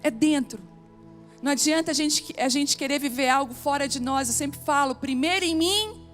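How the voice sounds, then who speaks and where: A woman's voice: high-pitched, fairly even intonation, moderate pace, soft background music. A middle-aged Brazilian woman pastor preaching at a women's conference, telling personal stories and building to emphatic exhortation. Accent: Brazilian Portuguese. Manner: emotional, personal storytelling, rising to emphatic preaching. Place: church conference stage.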